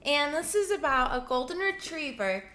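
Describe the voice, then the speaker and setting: Chatty woman co-host, higher voice. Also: sing-song, normal speed, sharp tone. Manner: chatty storytelling. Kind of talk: casual morning show chat. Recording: echoey room with faint noise.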